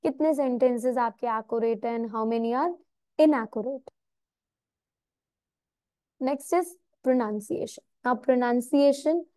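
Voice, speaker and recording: A woman's voice: fairly high pitch, dark tone, dry recording. A woman with an Indian accent teaching an IELTS class live, mixing Hindi and English and often checking whether students follow. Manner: mixes Hindi and English, asks students if clear. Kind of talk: live online class lecture.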